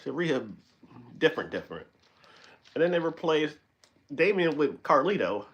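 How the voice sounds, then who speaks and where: A man hosting a live stream in casual chat, animated and rambling, often correcting himself and laughing. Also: a little high, normal speed, dull audio.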